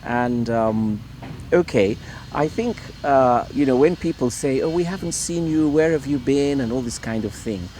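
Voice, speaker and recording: A man's voice: mid-range voice, measured pace, warm tone, a little hiss or hum. A middle-aged man from Ireland, a Catholic priest speaking as an interview guest at his home, hesitant and full of repeated words and fillers. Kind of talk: relaxed conversational interview.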